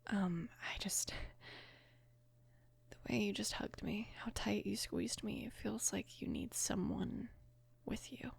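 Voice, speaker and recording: Woman acting gentle flustered young woman, whispery, creaky. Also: medium pitch, full character voice. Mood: caring, shy. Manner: soft, breathy near-whisper, hesitant and halting. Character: young mafia boss's daughter, gentle, flustered, protective, smitten. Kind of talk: ASMR romance roleplay.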